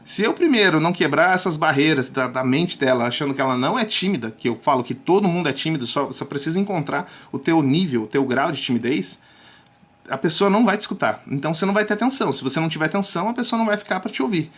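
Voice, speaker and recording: A man teaching communication skills in a casual video lesson, talking straight to viewers with frequent check-ins and sudden drops to a hushed voice. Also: fairly high pitch, fast. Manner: lively, drops suddenly to near-whispers to show technique; chatty, addresses viewers directly with frequent "tá?". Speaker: communication coach.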